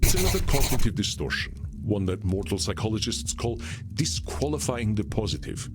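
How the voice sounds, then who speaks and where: An actor playing an ancient, powerful vampire mentor in a video game, solemn and kindly, with formal, measured, eloquent phrasing. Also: male voice, on the low side, lively intonation, lightly acted. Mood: gentle, wise. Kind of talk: visual novel game voice acting. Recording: music playing behind the voice.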